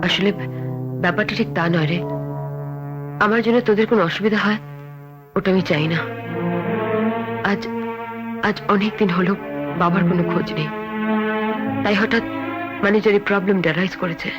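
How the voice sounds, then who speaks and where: An actress playing a spirited yet soft young working woman in a film drama. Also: mid-range voice, steady tone, moderate pace, long pauses, lo-fi sound, lightly acted. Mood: pleading, troubled. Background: film music.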